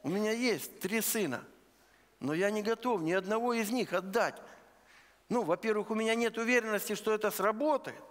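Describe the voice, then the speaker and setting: A man from eastern Ukraine preaching a sermon in a church, earnest and deliberate, laying out his points one by one. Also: high voice. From Luhansk region, Ukraine. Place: church sanctuary. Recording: long church hall reverb.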